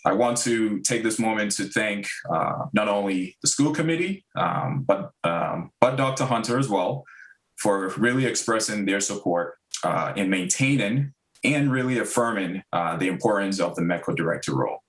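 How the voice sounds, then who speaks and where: Earnest low-voiced man from Ghana. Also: lively intonation. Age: 30s. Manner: earnest, measured, frequent um and uh fillers. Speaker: district diversity director. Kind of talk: prepared remarks at a public meeting.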